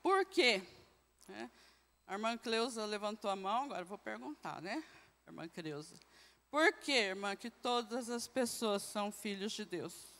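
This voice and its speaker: A woman's voice: mid-range voice, expressive, unhurried, a bit bright. A woman with a Brazilian Portuguese accent teaching a Bible class at church, asking the group questions and often adding a tag question. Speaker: Sunday school teacher. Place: church hall. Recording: long reverb in a church hall.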